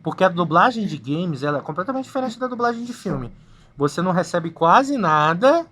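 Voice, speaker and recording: Brazilian woman, talk show host, slangy and laid-back, lowish voice. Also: big pitch swings, a little fast, fairly bright tone, slight background noise. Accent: Brazilian Portuguese. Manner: laid-back, slangy, uses mild swearing. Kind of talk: casual interview chat.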